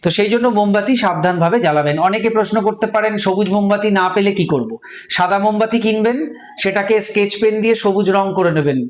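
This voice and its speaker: A man giving a spiritual lesson, patiently spelling out words and repeating them, talking straight to viewers. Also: high-pitched. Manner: colloquial, addresses viewers directly. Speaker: spiritual teacher. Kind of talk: instructional talk.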